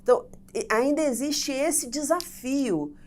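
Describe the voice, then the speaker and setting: Woman, interview host, affirming, sums up, fairly high voice. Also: expressive, unhurried, heavy background noise. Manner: affirming, sums up guest's points. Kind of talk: interview hosting.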